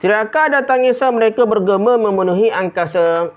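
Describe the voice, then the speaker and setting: Male religious lecturer; high-pitched, blunt storyteller. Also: muffled recording. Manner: quick storytelling with blunt asides.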